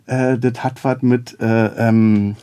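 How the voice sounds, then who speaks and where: A comedian from West Berlin with a Berlin accent, chatting casually and rambling with many fillers. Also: male voice, mid-range voice, flat delivery, slow, warm tone, smooth. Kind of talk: casual conversation.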